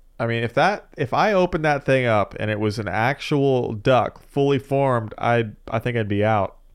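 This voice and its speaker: Here is a man with a plain, everyday voice at medium pitch and ordinary pitch variation. He keeps a moderate pace with hardly any pauses. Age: 30s. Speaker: podcast host. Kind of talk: casual chat. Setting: studio.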